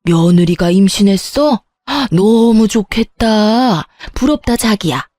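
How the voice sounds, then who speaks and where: A woman's voice: mid-range voice, takes it slowly, mellow, no room sound, clean studio sound, natural voice. A woman voicing a chatty middle-aged acquaintance who gushes and pries. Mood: gushing. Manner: gushing and nosy.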